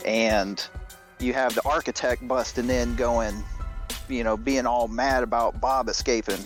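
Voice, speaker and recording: Wry man, mid-pitched podcast guest. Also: steady tone, unhurried, soft background music. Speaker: podcast guest, writer and editor. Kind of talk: casual story recap discussion.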